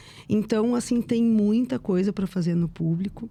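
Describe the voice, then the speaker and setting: A woman talks at a moderate pace with a fairly high pitch. Her voice is somewhat breathy, with a dark, mellow tone. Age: 60s. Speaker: vice mayor and politician. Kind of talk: podcast interview. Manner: halting, many restarts and fillers.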